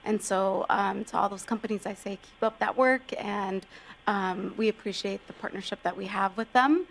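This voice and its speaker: A woman's voice: medium pitch, normal speed, slight background noise, poor audio. A female commissioner speaking at a formal public meeting. She sounds polite and inquisitive as she asks staff to clarify a process. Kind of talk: formal meeting remarks and questions.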